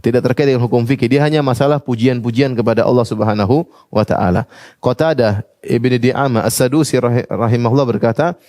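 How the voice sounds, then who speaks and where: In a clean studio recording with no room sound, a man lectures on religion as an Islamic preacher, his medium-pitched voice a little fast and a little mellow. He quotes Arabic passages, follows each with a translation, and poses questions to the audience.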